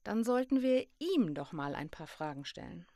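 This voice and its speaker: A woman's voice: medium pitch, very animated, moderate pace, mellow, dry recording. Serious female investigator, dry sound. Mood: serious, pondering. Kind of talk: German audio drama acting, conversational.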